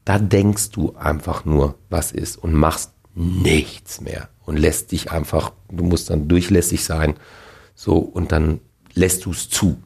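Low gravelly guy, kinda husky, actor chatting about film shoots. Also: slow. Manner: animated storytelling with acted quotes. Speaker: actor as guest. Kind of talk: casual interview talk.

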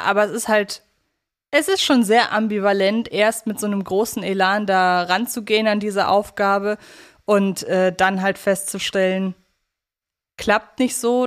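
A woman co-hosting a podcast, chatting casually as she reviews an audio drama. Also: mid-range voice. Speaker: podcast co-host.

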